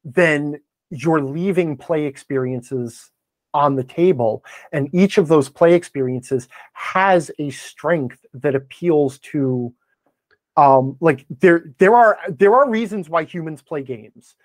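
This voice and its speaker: A man's voice: on the high side, slow pace, no room sound. A man speaking as a podcast guest in a conversational interview, wordy and opinionated as he explains things. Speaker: podcast guest, game blogger and author.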